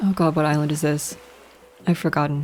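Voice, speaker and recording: A woman whispers quietly. Noticeable background noise sits behind her. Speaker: gaming YouTuber. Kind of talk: casual gameplay commentary. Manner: whispered, quiet.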